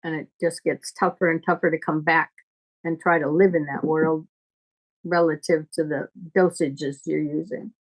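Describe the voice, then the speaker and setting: Older female astrologer-teacher, lower register, unscripted, direct and probing. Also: fairly even intonation, moderate pace, poor audio.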